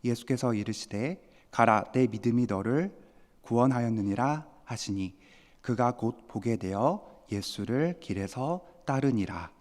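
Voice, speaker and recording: A man reads scripture in a slow, solemn manner, his voice dark and mellow. The long reverb of a church sanctuary trails each phrase. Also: medium pitch, lively intonation. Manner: measured, solemn reading. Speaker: scripture reader. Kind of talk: formal scripture reading.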